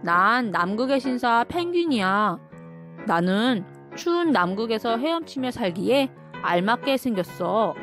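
A woman reading a children's picture book aloud in a gentle, clear manner. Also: on the high side. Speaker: storybook reader.

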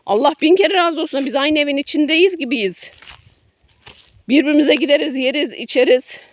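In a garden next to a road close to the woods, a middle-aged woman with a high-pitched voice vlogs to her followers at a moderate pace, with no room sound. She talks with emotion, shifting from indignant to apologetic and often saying things more than once.

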